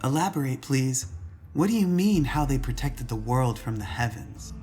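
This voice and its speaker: Man putting on a higher-pitched, curious woman scientist. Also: expressive, moderate pace, a little mellow, lightly acted. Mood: inquisitive.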